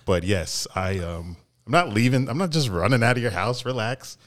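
A man's voice: mid-range voice, expressive, normal speed, fairly bright tone. A young adult man co-hosting a casual podcast, talking informally with slang and some swearing. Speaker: podcast co-host.

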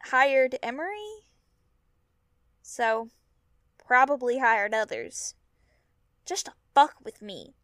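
A woman's voice: high voice, a bit bright, dry recording, clean studio sound, exaggerated voice. A woman acting in an audio drama as a wistful, frank young mer-person who is hurting and on the run. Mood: guarded, subdued. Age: young adult.

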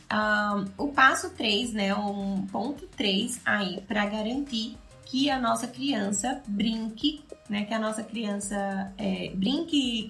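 A Brazilian woman teaching parents on a live stream about playing with children, talking in an animated way and acting out playful narration. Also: a little high, creaky, roomy sound. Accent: Brazilian Portuguese. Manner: animated, acts out playful narration with loud swings. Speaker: child development educator.

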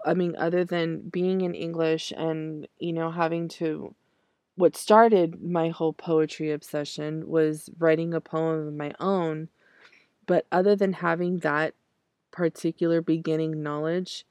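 A woman in her thirties, raspy from clearing her throat, reading her own poems slowly and then talking about them hesitantly with many fillers and restarts. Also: lowish voice, a little mellow, no room sound, clean studio sound. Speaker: podcast host reciting her poems. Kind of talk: poetry reading and casual reflection.

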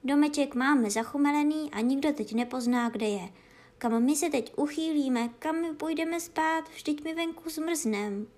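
A woman voicing a small, good-natured male dog in a children's storybook, speaking in a slow, homely, lamenting way. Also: a little high, lively intonation, darkish tone.

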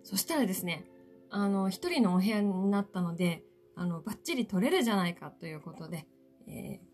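A woman hosting a solo podcast, chatting politely and playfully to her listeners from a quiet hotel room. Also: mid-range voice, expressive, brisk. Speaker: podcast host, actress. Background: faint classical Ave Maria music.

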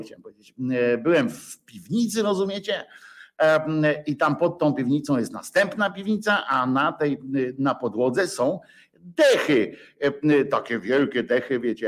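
Rambling jokey man, slow and hesitant. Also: on the high side. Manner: rambling, hesitant, many filler sounds; jokey, self-mocking. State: sore, bruised. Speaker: livestream host. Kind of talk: casual livestream chat. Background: dog present.

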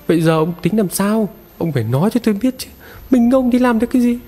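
A man doing a frantic, shrill village wife. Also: a little fast, darkish tone, husky. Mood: anxious. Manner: shrill, panicky and pleading. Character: frantic frightened middle-aged village wife. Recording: long reverb.

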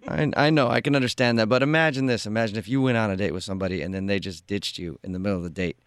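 Smooth-voiced man hosting radio. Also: lowish voice, racing, dry recording, clean studio sound. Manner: persuasive, friendly questioning. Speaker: radio host. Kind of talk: radio talk.

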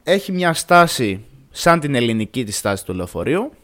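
Guy in his 20s from thessaloniki, mid pitch, chatty storytime vlog, swears casually. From Thessaloniki, Greece. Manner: animated, acts out dialogue, swears casually. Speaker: vlogger.

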